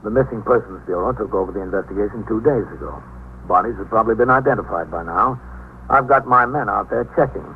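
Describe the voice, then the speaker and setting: An actor playing a calm, fatherly police captain who also narrates the case, in 1950s radio drama style. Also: on the low side, close to an everyday voice. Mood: grave. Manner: steady, gentle, measured. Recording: tinny, faintly noisy 1950s radio recording.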